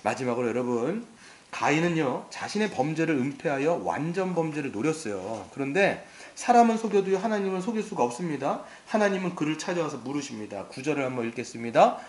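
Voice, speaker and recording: A man's voice: a little high, sing-song, fairly quick, a little mellow. A male pastor preaching a sermon with emphasis, putting rhetorical questions to his congregation. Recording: roomy echo.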